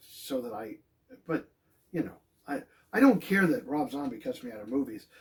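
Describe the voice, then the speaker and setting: At a moderate pace, a man talks with big swings in loudness and long, frequent pauses. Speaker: actor. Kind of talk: interview answer. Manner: boisterous, loud at times; randomly raises his speaking voice.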